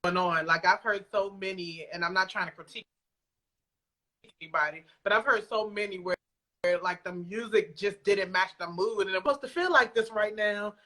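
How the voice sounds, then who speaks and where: Appearing as a podcast guest, this audio drama creator from Alexandria, Virginia talks in a relaxed, informal way. She's an American woman with a medium-pitched, bright voice, speaking at a moderate pace with a forceful tone.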